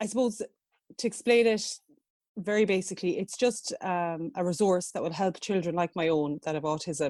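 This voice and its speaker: Over a quiet background, a woman speaks in an Irish accent at a moderate pace. Her pitch is medium, with ordinary variation. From Ireland. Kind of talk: podcast interview. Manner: conversational, with fillers and restarts.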